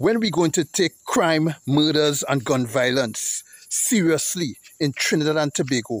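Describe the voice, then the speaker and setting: A man speaks at a moderate pace with lively intonation. The sound is dry with no echo, and the background is quiet. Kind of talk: political address to viewers. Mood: angry, urgent appeal. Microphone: phone near.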